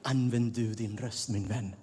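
A middle-aged man preaching a sermon as a pastor, moving between soft, low passages and loud, fervent peaks. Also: fairly even intonation. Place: church hall. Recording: echoey hall, slightly husky.

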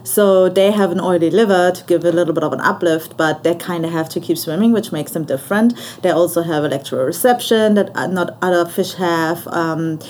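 A woman's voice: lowish voice, a little fast, few pauses, darkish tone, slight background noise. A young woman from Germany with a German accent, a guest on a casual interview, talking eagerly with frequent laughs and fillers. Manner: enthusiastic, laughs often, many fillers. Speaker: guest, shark researcher.

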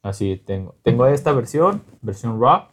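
A man with a Chicano accent chatting casually, switching between Spanish and English in a halting, slangy, profane way. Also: mid-range voice, lively intonation. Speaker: photographer.

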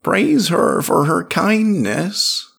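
A man's voice: sits high, very animated, extremely slow, creaky, fairly bright tone, husky, voice pushed up, full character voice. A man voicing an eager, devout old tribal elder whose voice cracks as he leads a chant.

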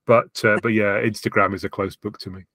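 Male podcast host, lowish voice, dry close sound, halting and self-mocking. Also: little pitch movement, fairly bright tone, dry recording. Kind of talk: casual podcast chat.

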